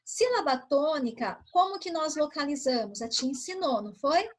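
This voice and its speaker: A woman's voice: sits high, lively intonation, normal speed. A woman primary school teacher reviewing a lesson with pupils over a video call, explaining patiently and asking them questions. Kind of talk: online class review with pupils.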